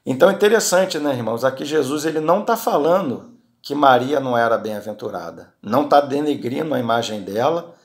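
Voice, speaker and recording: Male preacher, mid pitch with a gravelly edge, conversational Bible teaching with frequent restarts. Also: expressive, a little fast. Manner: frequent tag questions and restarts.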